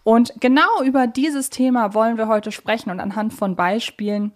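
A woman's voice: a little high, moderate pace. Chatty woman hosting a podcast. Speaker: podcast host. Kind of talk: conversational podcast moderation.

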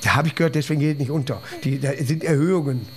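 A man's voice: a little high, quick pace. A man, a comedian hosting a casual chat who rambles and jokes at his own expense. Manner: rambling, jokey, self-mocking. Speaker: podcast host and comedian.

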